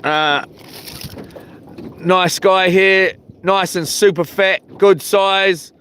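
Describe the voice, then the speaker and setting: A man with a broad New Zealand accent hosts a fishing livestream from a small boat, chatting casually and wandering from topic to topic. He has a high-pitched, slightly bright voice with fairly even intonation and draws out his words, while boat and water noise are clearly heard.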